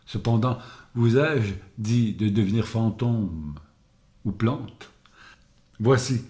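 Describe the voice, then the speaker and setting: A solitary prophet proclaiming his teaching to a crowd, voiced by a male reader. He declaims slowly in a low, dark tone, and the recording carries a roomy echo.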